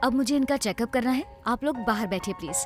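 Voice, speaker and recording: An actress playing a calm reassuring doctor. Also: female voice, on the high side, brisk, music in the background, close to an everyday voice. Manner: calm, reassuring, mixes English. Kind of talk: film dialogue.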